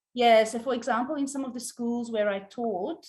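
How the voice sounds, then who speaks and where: In an Afrikaans accent, the speaker talks at a moderate pace with ordinary pitch variation. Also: woman. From South Africa. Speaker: psychologist. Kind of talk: interview.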